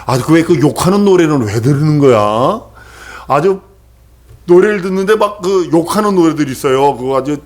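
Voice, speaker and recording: A man's voice: fairly high pitch, lively intonation, moderate pace, darkish tone. A male pastor preaching a sermon with emphatic repetition, often turning to ask the congregation questions.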